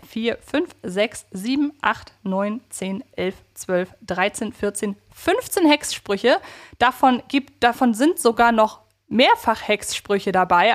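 A woman co-hosting a casual fan podcast, chatty and thinking aloud as she rephrases her points. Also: on the high side. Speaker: podcast co-host.

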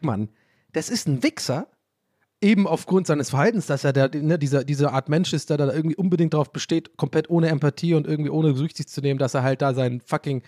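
A man from a German village, telling a story in a casual monologue, animated, self-mocking and rambling. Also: fairly high pitch, dry recording, studio quality.

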